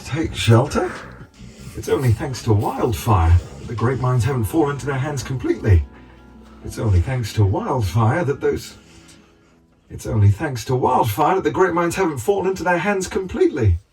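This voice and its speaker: A man's voice: mid-range voice, expressive, normal speed, a little mellow, recorded from a distance, soft background music, natural voice. A man voicing a defenseless, pleading townsman for a video game, earnest and dramatic with a strained delivery. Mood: worried, pleading.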